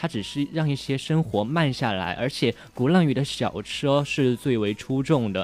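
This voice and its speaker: With hardly any pauses, a man speaks at a moderate pace and a medium pitch in a plain, everyday voice with lively intonation. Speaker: campus radio host. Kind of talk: radio travel show chat. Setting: radio studio, live broadcast.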